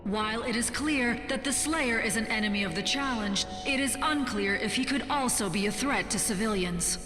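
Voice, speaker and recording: A woman's voice: fairly high pitch, over loud music, lightly acted. Echoing female emergency announcer, played by a woman. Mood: official caution. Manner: formal, measured, cautionary. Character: calm, official female public-address announcer in an apocalypse. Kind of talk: scripted emergency broadcast in a video game. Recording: echoing public-address broadcast with long reverb.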